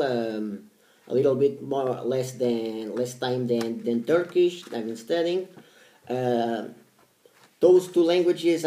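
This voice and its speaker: A Portuguese-native man in his 30s vlogs casually about learning languages, frequently starting his words over. The sound is roomy, his voice mellow and mid-range. He comes across as halting, repeats words, and emphasizes the name of each language.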